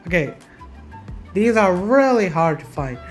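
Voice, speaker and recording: A woman's voice: fairly low pitch, very animated, measured pace. A woman giving casual gameplay commentary as a streamer, informal and hesitant in her phrasing. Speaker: gaming streamer. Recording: faint game music behind.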